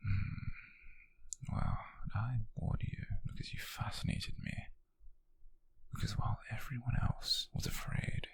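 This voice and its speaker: A British man playing a possessive, obsessive, smug wealthy captor in an intimate ASMR roleplay, husky and whispery, speaking softly and deliberately close to the mic. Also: fairly low pitch, huge pitch swings, no echo, full character voice. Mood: intimate, fascinated. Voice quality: breathy, husky, gravelly whisper. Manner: slow, deliberate, menacingly soft. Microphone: close microphone, dry.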